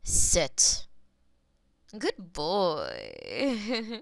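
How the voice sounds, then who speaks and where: Audio roleplay: a woman plays a smug, possessive female demon who teases in an unhurried purr, with a dry, close sound. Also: lowish voice, wildly swooping pitch, gravelly, no echo, full character voice. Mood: teasing. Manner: teasing, slow and purring, drops to soft whispers.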